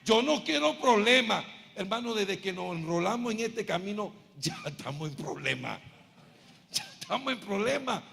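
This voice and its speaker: A Panamanian pastor delivers a sermon with a gravelly, fairly high voice. He speaks loudly and emphatically, shouting for emphasis and joking with the congregation. The sound rings with the long reverb of a large church hall. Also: lively intonation, moderate pace. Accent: Panamanian Spanish. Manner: loud preaching, shouts for emphasis, jokes with the congregation.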